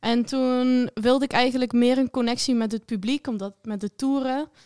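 With a Limburg accent, a woman speaks at a fairly slow pace and a fairly high pitch, her intonation fairly even. The sound is dry and close with no echo, in a very clean recording over a silent background. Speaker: DJ and producer. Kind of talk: casual chat.

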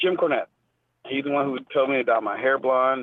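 A man is speaking. He has a Memphis accent. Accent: Southern US (Memphis). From Memphis, Tennessee, US South. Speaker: professional wrestler. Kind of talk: interview. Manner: halting.

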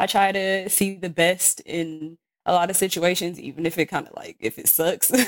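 A woman talks at a fairly quick pace with an American accent. The recording is very clean with a silent background, and the sound is dry and close with no echo. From US Midwest, Milwaukee, Wisconsin. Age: 20s. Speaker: ESL teacher. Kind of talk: interview testimony, personal life stories.

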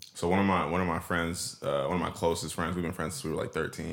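With an American accent, a man talks at a very deep, low pitch. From Washington State. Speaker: podcast co-host. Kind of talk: casual chat.

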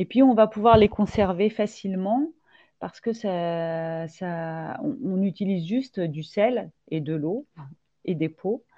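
Her intonation is lively. This woman talks at a very slow pace. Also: medium pitch for a woman. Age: 50s. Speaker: ceramic artist. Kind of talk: interview. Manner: halting, many fillers and repetitions.

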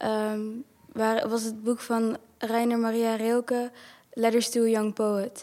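A woman's fairly high-pitched voice with a dark, mellow tone, delivered at a very slow pace in a monotone, flat intonation. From Netherlands. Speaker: spoken-word artist. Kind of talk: casual conversation.

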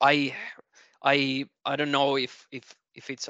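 Against a quiet background, a man with a fairly high pitch speaks at a very slow pace, the sound dry and close with no echo. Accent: Finnish. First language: Finnish. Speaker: university planner, regular contributor. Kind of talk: casual round-table discussion. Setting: video call from home office.

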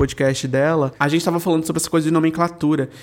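A man speaks at a very fast pace and fairly high pitch, keeping his intonation fairly even. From Brazil, Recife (Pernambuco). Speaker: YouTuber on pop culture. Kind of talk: casual chat.

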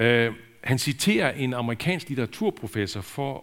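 His pitch sits at a medium level. The man's intonation is lively. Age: 60s. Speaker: pastor. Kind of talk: sermon.

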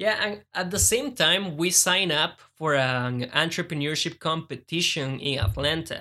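In a very clean recording with a silent background, a man with a Costa Rican accent speaks fairly slowly and with hardly any pauses, his fairly high voice bright and sharp with lively intonation. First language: Spanish. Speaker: startup founder. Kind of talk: casual chat.

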